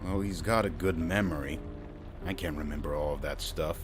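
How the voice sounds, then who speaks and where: Guy doing a polite careful veteran cop, deep deep voice, music going behind. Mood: worried. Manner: cautious, courteous, measured. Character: earnest, polite veteran male partner Zep. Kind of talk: audio drama acting.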